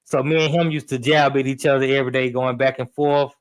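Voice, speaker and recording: A man's voice: mid-range voice, fast talker, clear, resonant tone. Man telling stories casually. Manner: relaxed, conversational, with frequent fillers and repeats. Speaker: podcast guest, sports radio producer and host. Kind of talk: casual storytelling chat.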